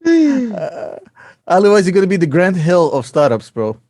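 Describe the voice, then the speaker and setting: A man's voice: sits high, huge pitch swings, moderate pace, a little mellow, no echo. A man chatting casually as an investor, joking, teasing and swearing freely. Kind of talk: casual chat.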